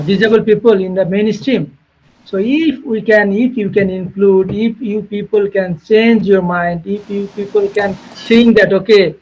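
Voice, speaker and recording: Researcher from Bangladesh, male, high-pitched, earnest and repetitive, dull webinar audio. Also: a little mellow, slight background noise. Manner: earnest, repetitive phrasing with frequent "okay" and "you know". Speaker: guest speaker, researcher. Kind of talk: webinar Q&A answers. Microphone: video call.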